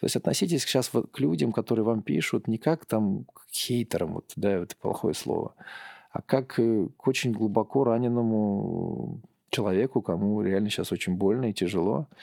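A man's fairly low, dark and mellow voice with lively intonation at a moderate pace, dry and close with no echo, on a very clean recording with a silent background. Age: 40s. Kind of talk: casual chat.

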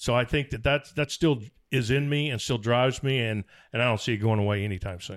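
On a very clean recording with a silent background, a man with an American accent talks at a very fast pace. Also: medium pitch for a man, ordinary pitch variation. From US South, Mississippi. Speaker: hunting organization executive. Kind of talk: casual chat.

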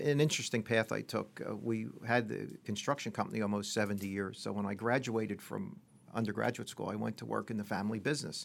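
Speaking at a fairly quick pace, a man with an American accent uses a fairly low pitch with vocal fry. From US Northeast (Philadelphia suburbs). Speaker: lawyer. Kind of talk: interview. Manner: halting.

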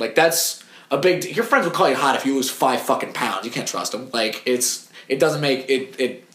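Amid noticeable background noise, a man with an American accent speaks in a medium pitch at a moderate pace with ordinary pitch variation. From US military town. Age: 20s. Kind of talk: casual chat.

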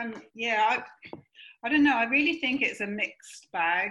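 A woman with a fairly high pitch and ordinary pitch variation speaks in an unremarkable speaking voice. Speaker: academic.

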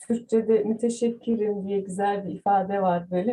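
A woman's somewhat breathy, dark and mellow voice at a medium pitch, monotone and flat in intonation, at a moderate pace. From Germany (Berlin), Turkish heritage. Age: 40s. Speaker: workshop trainer, former software engineer. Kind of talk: casual interview chat. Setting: remote call from Berlin.

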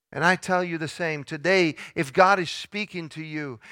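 A man speaks in a raised, projected voice at a fairly slow pace. His tone is bright and sharp, and the sound is dry and close with no echo. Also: very clean recording, silent background. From Italy. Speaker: pastor. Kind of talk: sermon. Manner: animated.

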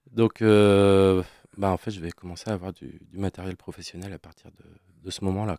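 A man with a very deep, low pitch and a dark, mellow tone speaks at a moderate pace with fairly even intonation, big swings in loudness and hardly any pauses, on a very clean recording with a silent background. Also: dry, close sound with no echo. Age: 40s. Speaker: photographer. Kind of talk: radio interview. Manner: hesitant, many fillers.

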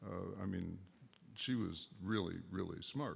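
A man speaks with an American accent at a fairly low pitch and a fairly slow pace. His voice has vocal fry and ordinary pitch variation. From US Midwest. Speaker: writer and teacher. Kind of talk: public conversation on stage. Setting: church sanctuary before live audience.

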